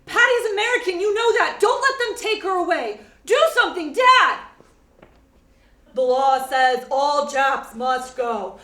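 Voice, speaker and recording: A bright, high voice belongs to an eager young director who keeps apologizing, read by a woman. It sounds from an echoey room with faint ambience around it. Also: lively intonation, a little slow, full character voice. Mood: excited. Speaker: Lily, director reading Billy's lines. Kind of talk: staged reading of a play.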